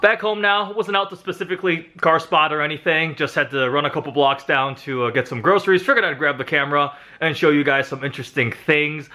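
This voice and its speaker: Talking fast with few pauses, a young car vlogger from the United States narrates a casual walk past cars on city streets and in shops, chatty and pointing things out. His voice is on the high side, pushed and bright. The handheld camera mic recording has no echo.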